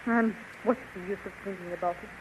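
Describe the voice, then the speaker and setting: A woman voicing a jealous, sharp-tongued young heroine in a 1930s radio drama, biting and sarcastic. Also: medium pitch, steady tone, fast, a little hiss or hum, close to an everyday voice. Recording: dull lo-fi 1930s radio recording.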